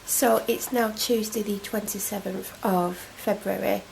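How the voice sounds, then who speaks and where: A woman's voice: medium pitch, fairly even intonation, measured pace, creaky, darkish tone, slight background noise, rough recording. A young woman with a cold, chatting and rambling to camera at home in a casual vlog. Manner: rambling, self-deprecating, chatty. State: congested, snotty from a cold. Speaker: vlogger. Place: at home, indoors. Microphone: camera mic.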